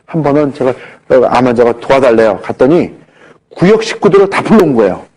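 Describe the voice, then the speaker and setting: Middle-aged guy lecturing, storyteller vibe, voice jumps around a lot, kinda husky. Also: medium pitch, a little fast. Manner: animated, acts out dialogue in his anecdotes.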